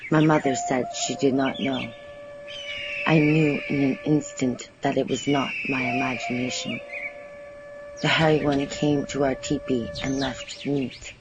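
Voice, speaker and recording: A man playing a young Native American maiden, telling a story in first person with simple, measured, earnest delivery in an audio drama. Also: mid-range voice, fairly even intonation, lo-fi sound, noisy background, lightly acted. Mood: earnest, secretive.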